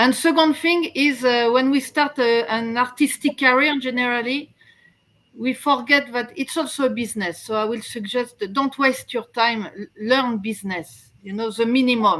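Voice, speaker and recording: A high-pitched woman with a French accent at a moderate pace, ordinary pitch variation, on a very clean recording with a silent background. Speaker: singer. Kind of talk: interview. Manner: halting.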